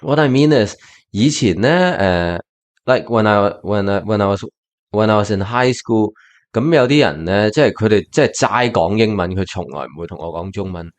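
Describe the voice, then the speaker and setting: Low-voiced man hosting a bilingual podcast. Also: animated. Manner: mixes Cantonese and English, halting with many fillers. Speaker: podcast host. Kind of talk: casual bilingual podcast chat.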